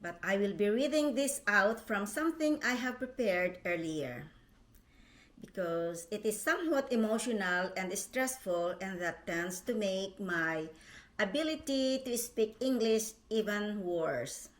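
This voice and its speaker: A middle-aged woman from the Philippines, slowly and carefully reading a prepared personal statement as a vlog host. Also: mid-range voice, lively intonation. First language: Tagalog.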